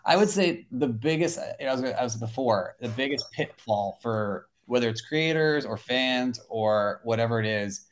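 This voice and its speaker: A man's voice: medium pitch, expressive, normal speed, hardly any pauses, a little hiss or hum. A man co-hosting a podcast, thinking aloud earnestly and summing up the discussion. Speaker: podcast co-host. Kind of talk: casual podcast chat.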